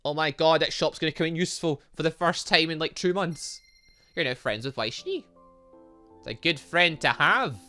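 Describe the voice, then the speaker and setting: Bright, animated gaming video host. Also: medium pitch, normal speed, soft background music. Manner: rambling, repeats phrases. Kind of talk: let's play commentary, reading visual novel dialogue aloud.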